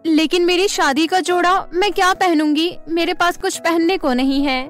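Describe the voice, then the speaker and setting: A high-voiced young bride from a cartoon storybook, acted by a woman. She is earnest and easily upset, speaking with plaintive expressiveness over faint music. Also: steady tone, moderate pace. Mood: worried.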